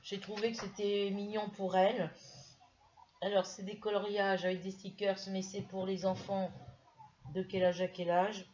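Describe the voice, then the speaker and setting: A middle-aged woman from France talks through a haul at an easy, everyday pitch, stopping and restarting her sentences as she goes. The recording sounds dull and lo-fi, with a faint hiss underneath. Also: level tone, normal speed, darkish tone. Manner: chatty, hesitant, many restarts. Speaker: craft vlogger. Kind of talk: casual haul video.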